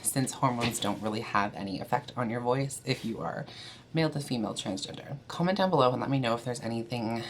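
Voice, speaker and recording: A woman's voice: very deep voice, lively intonation, fast talker, a little hiss or hum. A young trans woman from Canada chatting casually to camera, with frequent fillers and an easy, candid manner. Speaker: vlogger.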